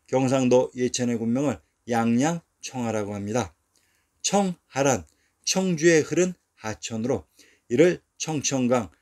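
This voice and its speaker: A man reads a history narration from a script at a steady, measured pace. His voice sits in an ordinary middle pitch. He counts off place names one at a time and drops lower and quieter at the end of each sentence. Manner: measured reading, falling and quieter at sentence ends.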